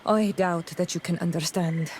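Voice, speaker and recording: An actress playing an earnest, proud young tribal guide in a video game, explaining things solemnly. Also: female voice, on the low side, steady tone, moderate pace, a little mellow, a little hiss or hum, natural voice. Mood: solemn, guarded.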